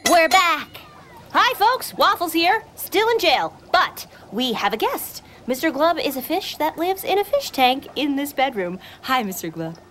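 Cartoonish pet dog: woman doing a high, bouncy, overdramatic schemer. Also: measured pace, slight background noise, exaggerated voice. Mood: excited. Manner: excitable, dramatic, to-camera asides. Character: scheming, popcorn-crazed female pet dog.

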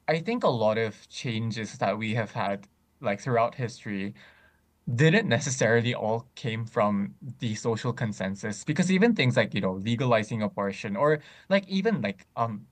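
Thoughtful man discussing politics, halting. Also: medium pitch, animated. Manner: many fillers and restarts, thoughtful. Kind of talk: casual discussion.

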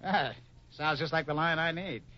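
An actor playing a pushy, excitable, scheming city photographer who stammers insistently in a 1950s radio western. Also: male voice, a little high, normal speed, close to an everyday voice. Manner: insistent, hesitating with uhs, excitable. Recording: muffled old radio recording.

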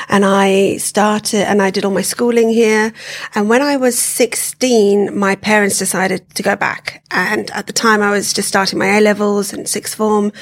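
A woman from South Africa, a sales professional talking as a podcast guest, chatty and often restarting her sentences. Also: medium pitch. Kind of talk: casual interview chat.

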